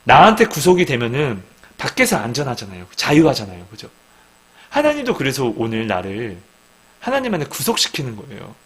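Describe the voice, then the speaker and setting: Male preacher, informal devotional talk, animated pitch, rhetorical questions, light mains hum. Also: a little fast, breathy edge, poor audio. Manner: asks the listeners questions and acts out quoted dialogue. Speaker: Christian speaker giving a devotional talk. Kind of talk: informal sermon.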